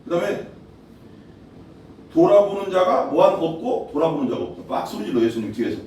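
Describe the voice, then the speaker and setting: A man gives a sermon, speaking casually and asking his congregation questions as he goes. His voice sits fairly high for a man yet sounds mellow. The mic picks him up from a distance in a very echoey church hall, with faint noise behind him. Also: big pitch swings, fairly quick. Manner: conversational preaching, asks the congregation questions. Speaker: pastor.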